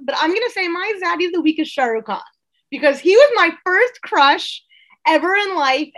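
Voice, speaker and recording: A woman's voice: high voice, fairly bright tone, rough recording. A woman in her thirties co-hosting a podcast, talking casually and conversationally. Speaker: podcast host.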